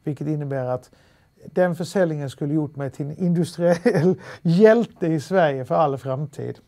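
A man's voice: fairly high pitch, gravelly. A middle-aged man with a Halland dialect, telling a story in an interview with restarts and fillers. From Sweden. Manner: lively anecdotal telling with many restarts and fillers.

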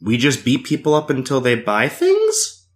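A man's voice: wildly swooping pitch, moderate pace. An actor playing a childlike, simple-minded young man, goofy and eager. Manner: goofy and eager, big leaps in pitch.

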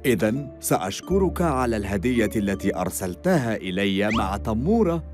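A wise old grandfather from a children's cartoon. His gentle, deliberate lecturing swings with expressive pitch. Music plays clearly underneath. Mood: gently instructive. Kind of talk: children's cartoon dubbing in formal Arabic. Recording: music behind the voice.

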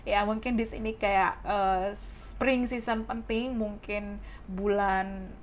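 Young female tarot reader, hoarse, casual chatty delivery, little pitch movement. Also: fairly even intonation, slow pace, slight background noise. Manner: chatty, mixes English phrases, says "oke" often. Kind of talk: casual tarot reading to viewers. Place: indoors at a wooden table.

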